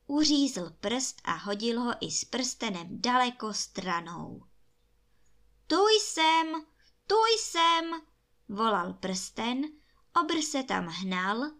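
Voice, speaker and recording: A woman reading a fairy tale aloud to children as a bedtime story, in a calm, measured storytelling manner. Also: mid-range voice.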